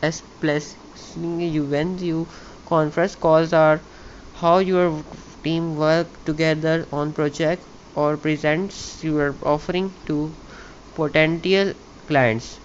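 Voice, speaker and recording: A man with a South Asian accent, native in Hindi or Urdu, presents a tech video in a slightly high voice. His delivery is halting, with stumbles and repeated words. The recording is dull and lo-fi, with faint background noise. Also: steady tone. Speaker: YouTube tech channel host. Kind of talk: tutorial, reading an article aloud with casual asides. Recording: muffled lo-fi mic with background noise.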